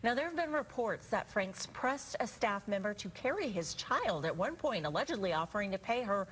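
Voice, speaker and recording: A woman's voice: mid-range voice, very animated, moderate pace, fairly bright tone, slight background noise. A woman news anchor delivering a live newscast in a partly ad-libbed way. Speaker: news anchor filling in on weather.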